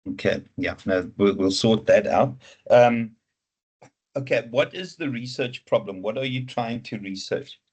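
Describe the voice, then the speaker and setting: A man's voice: mid-range voice, a little slow, a little mellow, slightly rough. A man with a South African Afrikaans accent, advising students as a lecturer in an informal, teasing way, thinking aloud as he goes. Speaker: university lecturer advising students on research proposals. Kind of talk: informal online teaching consultation.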